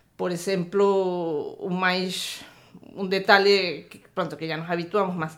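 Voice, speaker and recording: A woman's medium-pitched, flat monotone at a very slow pace, with big swings in loudness and audible room echo. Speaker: orchestral violinist and violin teacher. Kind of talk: interview. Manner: halting.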